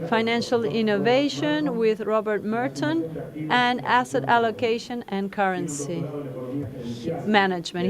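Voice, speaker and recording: Higher-voiced woman interpreting a conference talk. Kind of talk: speaker introduction, then interpreting a conference talk.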